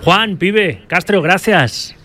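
A man hosting a radio sports show, briskly presenting segments and handing over to reporters. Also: high voice, lively intonation, pushed and bright, slight background noise.

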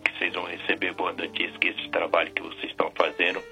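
Bright, forceful mature Brazilian man. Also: low-pitched, monotone, quick pace. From Bahia, Brazil. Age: middle-aged or older. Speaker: caller to a radio prayer show. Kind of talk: casual phone-in chat. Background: music bed.

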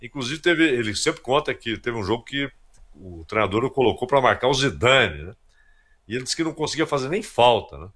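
A man's voice: mid-range voice, sing-song, a little fast, a bit bright, slightly rough. Chatty male sports commentator. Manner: anecdotal, repeats words while thinking. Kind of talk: casual radio chat.

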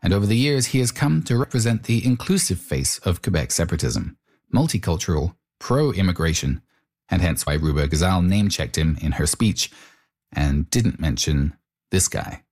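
A man narrating a documentary report in a measured, explanatory way and asking interview questions. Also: sits low, animated, darkish tone.

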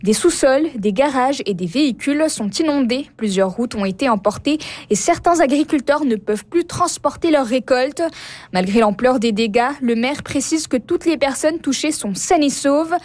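Female radio newsreader, Canadian French accent, high voice, dry studio mic, formal measured read. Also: animated, darkish tone, no room sound. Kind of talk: scripted news bulletin. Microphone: studio microphone.

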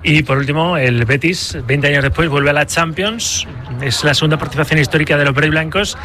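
A man hosting a radio sports program, briskly putting questions to his commentators. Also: fairly high pitch. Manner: brisk, bright, leading questions.

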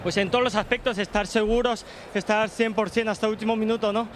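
A footballer answers halftime questions pitchside, hesitant and measured. His voice is fairly high, and a little street noise sits behind him. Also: fairly even intonation.

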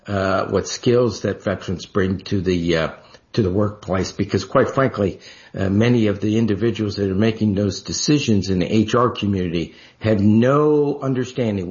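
A male radio guest who speaks in a measured, thoughtful way with frequent fillers. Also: on the low side, dull audio. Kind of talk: radio discussion.

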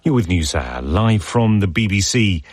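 A man presenting live radio news, reading headlines and introducing reports in a measured, formal way. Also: fairly low pitch, animated, breathy edge, dry recording, clean studio sound. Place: broadcast studio. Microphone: studio microphone.

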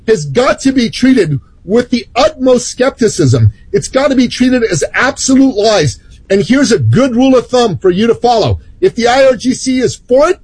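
A woman's voice: on the high side, a little mellow, husky, no room sound, low-quality recording. A woman from Iran, a guest commentator making emphatic, indignant political points. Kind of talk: political talk.

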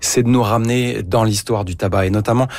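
Radio host guy, lowish husky voice, chatty with a few euh. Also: fairly even intonation, fairly quick, a little mellow, dry recording. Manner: conversational, with fillers. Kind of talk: radio interview.

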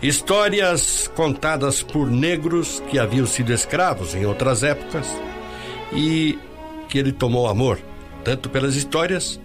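A man reading scripted documentary narration for a TV news tribute in a measured, formal way. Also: medium pitch, animated, over music.

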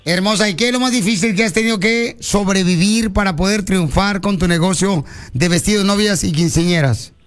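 High-voiced joking male radio host. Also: brisk, soft background music. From Mexico. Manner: playful, teasing, calls the guest pet names.

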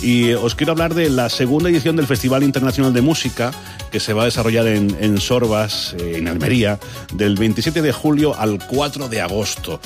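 A man hosting a live midday radio program, interviewing a guest in a relaxed, friendly way. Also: mid-range voice, a little fast, over music. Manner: relaxed, laughs along with guest. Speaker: radio host.

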